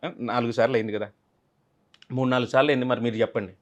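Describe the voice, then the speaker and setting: A man's voice: medium pitch, fairly even intonation, very fast, muffled recording. A man, an actor being interviewed, telling a film-set story animatedly and acting out other people's lines. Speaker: actor guest.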